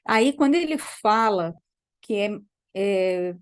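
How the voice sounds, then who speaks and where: A woman in an online study group adding a measured, explanatory comment over a video call. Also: mid-range voice, lively intonation, smooth. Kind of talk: adding a comment and reading a quote aloud.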